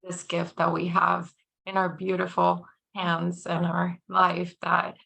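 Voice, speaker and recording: A woman co-hosting a live webinar over a video call, speaking slowly and hesitantly with fillers. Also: on the low side, monotone, gravelly, bright, forceful tone. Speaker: webinar co-host.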